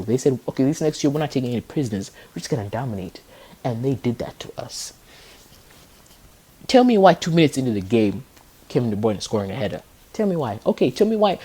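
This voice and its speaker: A young man talks football on a podcast in a husky, slightly rough voice with a warm, mellow tone. He gets worked up fast, laughs a lot and keeps repeating himself for effect. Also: medium pitch. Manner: excitable, keeps repeating "tell me why", laughs often. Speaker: podcast host. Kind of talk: casual football chat.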